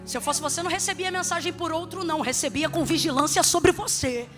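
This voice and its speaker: Woman pastor preaching, super high voice, soft music under it. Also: fast talker. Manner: animated, humorous storytelling with sudden shouted peaks. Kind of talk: sermon.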